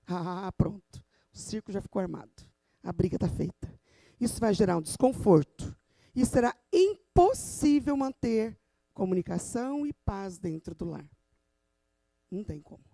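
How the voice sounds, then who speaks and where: A woman with a hoarse, low voice, a teacher giving an emphatic church talk in Brazilian Portuguese. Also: mellow, no room sound. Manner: emphatic, teacherly, addresses the audience.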